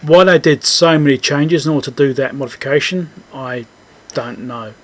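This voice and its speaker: A man giving a casual, unscripted technical walkthrough as a repair host, halting as he thinks aloud. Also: medium pitch, fairly even intonation, fairly bright tone.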